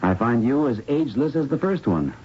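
A man's voice: medium pitch, animated, a little fast, close to an everyday voice. An actor playing a gallant, purposeful male doctor in a 1970s radio drama. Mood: urgent, courtly. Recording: muffled, noisy old radio recording.

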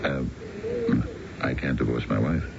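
An actor playing a wealthy, unfaithful middle-aged businessman in a radio drama, smooth and self-assured but halting, with a genteel, gravelly delivery. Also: very deep voice, fairly even intonation, a loud crowd, heavily acted. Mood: smooth, matter-of-fact. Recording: muffled, noisy old radio broadcast.

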